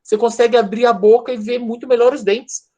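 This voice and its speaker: A man with a Brazilian accent lectures informally on a video call, his very high-pitched voice fast and the highs cut off. His animated, conversational style keeps turning directly to the audience.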